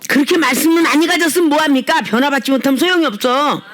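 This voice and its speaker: A woman's voice: high-pitched, quick pace, a bit bright. A woman pastor preaching an emphatic sermon at a healing service, often prodding listeners with tag questions.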